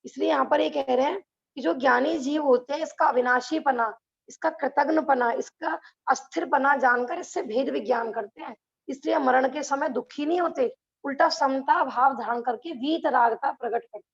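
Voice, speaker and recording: A woman with a high, gravelly voice leads a religious class. She keeps turning to her listeners with rhetorical questions and laughs between her points. The recording sounds dull and lo-fi. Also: moderate pace. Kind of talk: lecture to a class.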